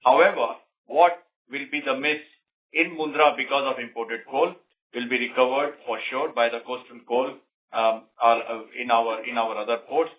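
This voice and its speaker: A man's voice: medium pitch, steady tone, normal speed. Emphatic man on narrow phone line. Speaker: senior company executive answering analysts. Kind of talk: earnings call answers.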